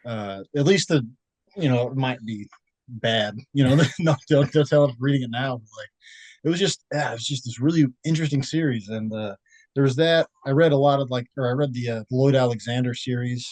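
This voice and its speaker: A man's voice: medium pitch, fairly quick, a little mellow, no echo. A young man from Texas, a podcast guest chatting in a rambling, laid-back way with many fillers and restarts. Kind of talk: casual interview chat.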